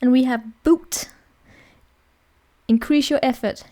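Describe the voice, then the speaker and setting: A woman's voice: high voice, fairly even intonation, slow, mellow. A woman giving a casual tarot reading in a chatty, rambling way, often checking in with the listener. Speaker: tarot reader.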